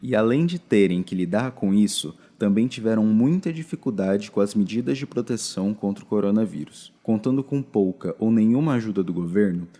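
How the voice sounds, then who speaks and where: A man's voice: on the low side, lively intonation, brisk, few pauses, mellow. A man with a Brazilian accent reading scripted documentary narration for a podcast.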